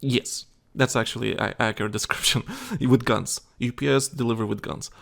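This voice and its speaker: A man's voice: medium pitch, fairly even intonation, a little fast, gravelly, fairly bright tone. A tired man co-hosting a casual gaming chat show, rambling with many restarts and fillers. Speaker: podcast co-host.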